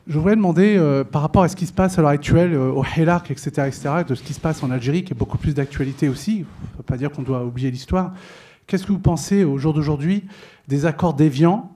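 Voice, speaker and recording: A man's voice: a little high, fast, warm tone. A man from the audience at a public debate, asking a long rambling question full of hesitations. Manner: rambling, hesitant, many fillers. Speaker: audience member. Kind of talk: question from the floor.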